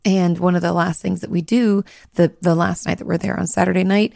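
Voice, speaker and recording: Slightly hoarse woman with gravelly fry. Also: fairly low pitch, level tone, a little fast, warm tone, dry recording, clean studio sound. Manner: chatty, hedging with likes and restarts. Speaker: podcast host, therapist. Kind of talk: casual solo podcast.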